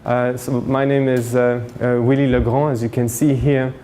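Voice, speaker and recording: Male seminar lecturer, forties, raised in Canada. Halting, explanatory delivery at average pitch, over audible background noise. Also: flat delivery, mellow. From France, grew up in Canada. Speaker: university lecturer. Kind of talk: seminar lecture, informal introduction.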